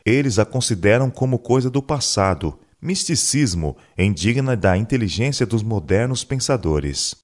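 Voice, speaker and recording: A man reading a devotional book aloud in a measured, solemn way. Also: on the low side, a little mellow. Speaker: narrator.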